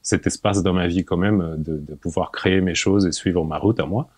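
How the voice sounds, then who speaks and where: A man in his forties, a podcast guest, talking in a relaxed, hesitant way, often repeating words and laughing. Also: low-pitched, moderate pace, no room sound. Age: 40s. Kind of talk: casual interview.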